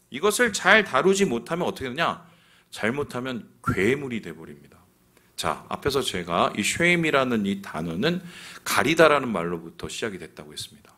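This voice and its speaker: A male pastor preaching a sermon in a church, asking his listeners questions as he goes. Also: medium pitch. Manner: animated, asks the congregation questions. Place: church sanctuary.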